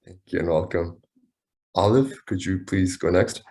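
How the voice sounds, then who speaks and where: A man's voice: low voice, normal speed, a little mellow. A man moderating an online meeting, politely calling on each speaker in turn over a video call. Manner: polite, formal requests. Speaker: webinar moderator.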